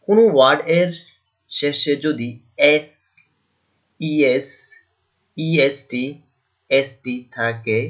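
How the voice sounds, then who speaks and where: Male teacher drilling grammar. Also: medium pitch. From Bangladesh. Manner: asks questions and answers them himself, repeats key points. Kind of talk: classroom grammar lesson.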